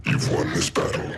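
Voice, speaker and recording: An actor playing a contemptuous telepathic gorilla villain in a game, speaking with a sneering, scornful snarl. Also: male voice, heavy background noise, close to an everyday voice. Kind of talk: video game cutscene acting. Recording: echoey distant voice over loud game music.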